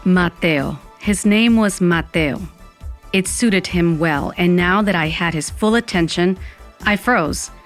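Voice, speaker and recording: In a scripted audio drama, a woman plays a dramatic, dreamy young Latina narrating her own story in the first person, in a wistful mood. Her voice is lowish and slow, with faint music behind it.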